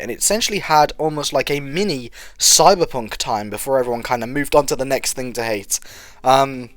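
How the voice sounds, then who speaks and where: Young male gaming vlogger, congested from a cold, earnest and rambling, mid-pitched, dry close sound. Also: dry recording. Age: young adult. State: stuffy from a cold. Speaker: gaming channel host. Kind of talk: casual opinion vlog.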